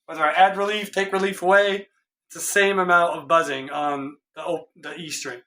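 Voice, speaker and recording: A middle-aged man with a hoarse voice, a guitar tech in a casual vlog, puzzled and exasperated as he thinks aloud in his home workshop. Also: a little high, fairly even intonation, normal speed, sharp tone. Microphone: camera a few feet away.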